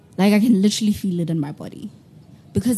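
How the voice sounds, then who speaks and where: A woman talks at medium pitch with a dark, mellow tone. Her voice is somewhat breathy, with ordinary pitch variation. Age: 30s. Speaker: podcast guest. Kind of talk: casual chat.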